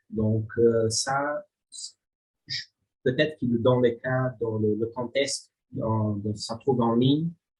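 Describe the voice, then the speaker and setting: In a somewhat breathy voice with a non-native accent, a man speaks at a very slow pace with fairly even intonation against a quiet background. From abroad, not a French-speaking country. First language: not French (speaking French). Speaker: student project participant. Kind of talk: group debrief interview. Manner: halting, many fillers and repetitions. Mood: reflective, slightly unsure. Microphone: video call.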